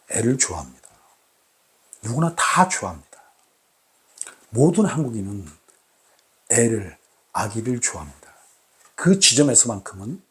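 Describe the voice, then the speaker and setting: A man hosting his own channel, talking to camera in a formal, deliberate way with many repeated rhetorical questions. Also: mid-range voice, a little mellow. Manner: repetitive, emphatic rhetorical questions. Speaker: channel host. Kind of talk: solo talk to camera.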